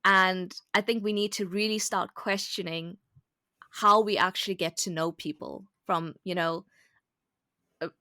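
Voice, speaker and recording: Bright-voiced South African woman. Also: fairly low pitch, no room sound, studio quality. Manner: earnest, reflective, laughs easily. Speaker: guest. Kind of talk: casual interview conversation.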